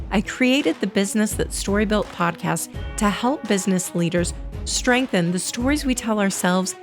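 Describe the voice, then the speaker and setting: A woman hosting a business podcast, delivering an upbeat scripted intro and guest bio, then interviewing. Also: mid-range voice. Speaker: podcast host.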